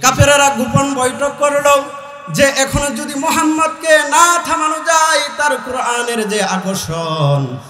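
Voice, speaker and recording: A man with a Bangladeshi accent preaching a fervent Islamic sermon, declaiming in a drawn-out sing-song way and urging his listeners on. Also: extremely high pitch, lively intonation, sharp tone, roomy sound, faint music behind. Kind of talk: fervent Bengali waz sermon with chanted verse and recitation.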